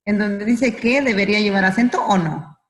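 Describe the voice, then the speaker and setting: A woman's voice: mid-range voice, normal speed, echoey room, in a large hall. A female student asking her teacher a question hesitantly, restarting her words. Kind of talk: class question.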